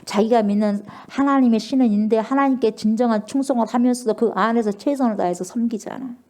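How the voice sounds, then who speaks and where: A woman pastor preaches a sermon in a warm, slightly high voice at a quick pace. She's emphatic, putting questions to the congregation and acting out scripture with rising emotion.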